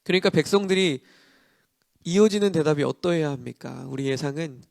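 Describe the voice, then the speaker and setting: High-voiced male pastor preaching. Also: a little fast, vocal fry, a little mellow, dry recording, clean studio sound. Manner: explanatory, with rhetorical questions to the congregation; acts out quoted lines dramatically. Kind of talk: morning sermon.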